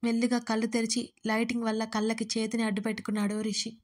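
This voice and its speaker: A woman's voice: fairly high pitch, completely flat delivery, quick pace. A woman narrating her own emotional love story in the first person, with dramatic, tearful storytelling. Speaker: writer and narrator of audio stories.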